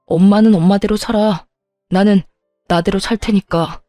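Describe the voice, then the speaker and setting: A fed-up adult son, read by a woman in a storybook reading, exasperated and raising his voice. The voice is dark and mellow, recorded dry. Soft music runs underneath. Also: medium pitch, fairly even intonation, normal speed, no echo, close to an everyday voice. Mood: resolute. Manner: exasperated, raised voice.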